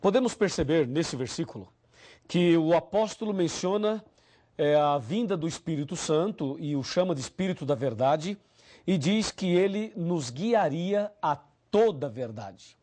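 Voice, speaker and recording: Brazilian male pastor with a slightly high voice, measured Bible study teaching to camera, reads verses slowly and asks the viewer questions. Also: animated, dark tone. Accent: Brazilian Portuguese. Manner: measured teaching, slow scripture reading, direct questions to the viewer. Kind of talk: recorded Bible study lesson.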